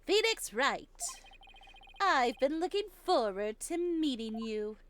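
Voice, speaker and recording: A woman's voice: sits high, big pitch swings, takes it slowly, a bit bright, slight background noise, full character voice. A woman voicing a smug, sneering male prosecutor with a condescending, theatrical delivery in a video game read-aloud. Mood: smug, mocking.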